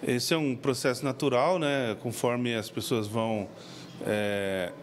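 A middle-aged man with a Brazilian accent, a civil defense official, explaining into reporters' mics in a halting way with many fillers. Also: mid-range voice, steady tone, a little hiss or hum. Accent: Brazilian Portuguese. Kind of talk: press interview. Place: indoors before a press backdrop. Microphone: several handheld reporter mics.

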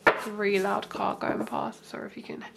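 A woman's voice: mid-range voice, completely flat delivery, a little fast, vocal fry, heavy background noise. A young woman with a stuffed-up nose from hay fever, giving a chatty, reassuring tarot reading with lots of fillers. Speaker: tarot reader. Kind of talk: casual tarot reading to camera. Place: indoor room, table seen from above.

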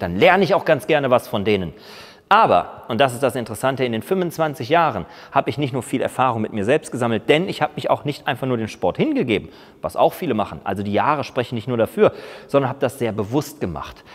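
A man in his forties, a fitness trainer, talking emphatically to camera in a large indoor gym. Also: medium pitch. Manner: emphatic, argumentative, lively gestures. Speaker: fitness YouTuber. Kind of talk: opinionated monologue to camera. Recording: long reverb in a big gym hall.

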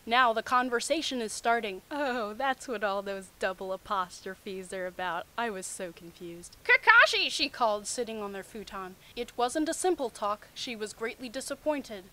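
A woman's voice: medium pitch, normal speed, few pauses, a bit bright, low-quality recording. A young adult woman hosting a mocking read-aloud of fan fiction, with sarcastic, incredulous asides. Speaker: host of a comic fan fiction reading series.

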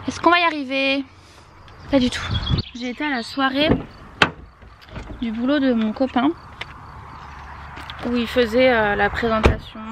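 A woman vlogs to her camera in a candid, rambling way, stopping to correct herself. Her voice sits a little high for a woman. Clear background noise runs under the whole recording. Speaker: family vlogger. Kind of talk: casual vlog chat to camera. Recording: noisy background ambience.

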